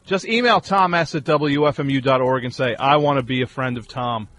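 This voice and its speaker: A man in his forties hosting a call-in radio show, teasing a caller with mock indignation and a deadpan delivery. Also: mid-range voice, brisk. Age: 40s. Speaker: radio host. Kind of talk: sarcastic call-in radio banter. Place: radio studio.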